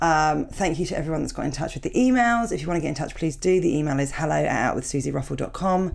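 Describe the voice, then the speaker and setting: A woman's very deep, low, vocal-fried voice in a southern English accent, very fast and lively in intonation. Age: 30s. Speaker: podcast host and touring comedian. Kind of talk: casual monologue.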